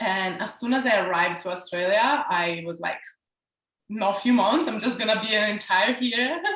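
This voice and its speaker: With a slight Italian accent, a woman speaks at a moderate pace with lively intonation, and audible room echo is present. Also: fairly high pitch for a woman. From Italy. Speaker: life coach. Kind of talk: interview.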